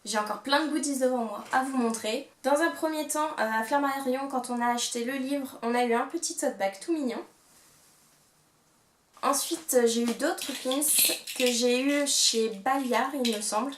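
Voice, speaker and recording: A woman's voice: high-pitched, normal speed, roomy sound, slight background noise. A young woman with a French accent chatting casually through a book haul vlog, with many fillers, recorded at home on a camera mic. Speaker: book vlogger.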